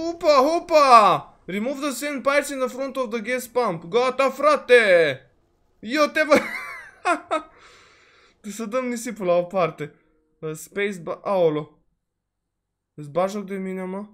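A man's voice: very high voice, pauses often, fairly bright tone. A man with a Romanian accent giving casual let's-play commentary, chatty and exclamatory, his voice slightly worn. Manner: chatty, exclaims often, peppers talk with "frate" and "bă". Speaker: gaming video host.

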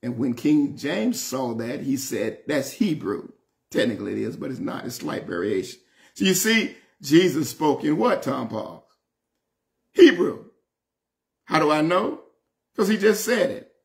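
His voice sits on the high side, sing-song and creaky, moving a little slowly. A Southern US man in his sixties, he gives an informal Bible study from a home room before French doors, explaining scripture emphatically and folksily, repeating phrases and calling on those listening.

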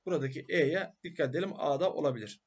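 A man's voice: on the high side, fast, slightly rough, highs cut off. A male teacher giving a grammar lecture who asks questions and answers them himself.

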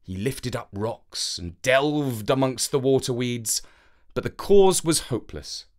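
A woman narrating a children's fairytale as an expressive storyteller. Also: a bass voice, unhurried.

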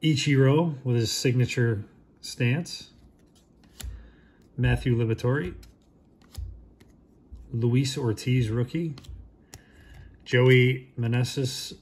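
A man in his thirties giving casual, low-key commentary while opening packs at a shop counter, naming each player as it comes up. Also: slow, long pauses, a little mellow, a little hiss or hum.

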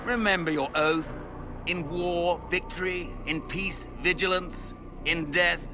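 Slow, pompous villain lord. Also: male voice, high-pitched, steady tone, music in the background. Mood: stern, commanding. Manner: pompous, theatrical, drawling. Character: pompous, sneering male villain lord, a mage. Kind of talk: video game voice acting.

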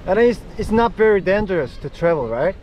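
Late-20s Korean travel vlogger, high animated voice, Korean accent, outdoor noise on an action cam. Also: male voice, a little fast, lo-fi sound. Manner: friendly, laughs often, simple English. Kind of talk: casual chat with strangers. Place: outdoors on a beach and a town street. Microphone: action camera, no separate mic.

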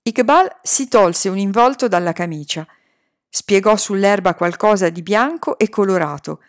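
A woman reads a novel aloud at a steady, unhurried pace. Her voice sits at a middle pitch for a woman, and her telling is calm and measured throughout. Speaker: audiobook reader.

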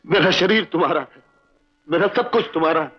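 An actor playing a loyal orphaned friend of the family, pleading theatrically in 1960s film dialogue. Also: male voice, a little high, fairly quick, close to an everyday voice. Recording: dull old film soundtrack with music.

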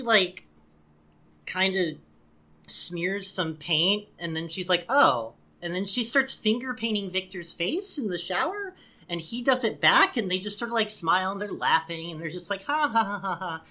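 Bright-voiced sarcastic woman podcaster. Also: fairly low pitch. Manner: sarcastic, animated storytelling with laughs. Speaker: podcast co-host. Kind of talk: casual recap chat.

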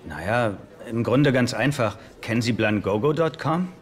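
A man's voice: medium pitch, expressive, moderate pace, lightly acted. An actor playing a naive, lovesick rich man in a dubbed sitcom, earnest, guileless and a little sulky. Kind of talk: German-dubbed sitcom acting.

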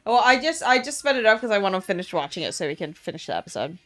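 Lively young woman chatting casually, slangy. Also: medium pitch, racing. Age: 20s. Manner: slangy, sweary, with heavy filler "like". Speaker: podcast co-host. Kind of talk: casual chat. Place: small room, indoors. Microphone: podcast microphone on boom arm.

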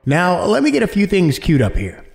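High-voiced theatrical man hosting, echoey room. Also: wildly swooping pitch, fairly quick, gravelly, over loud music. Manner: playful, theatrical. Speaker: podcast host. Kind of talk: theatrical horror podcast hosting.

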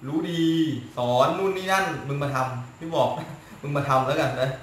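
A man's voice: a little high, moderate pace, a bit bright. Blunt, crude-talking man in an echoey room. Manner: blunt and crude, lecturing, repeatedly asks "right?". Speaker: spiritual teacher answering viewers on a live stream. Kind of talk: casual live-stream talk. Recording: very echoey room with faint noise.

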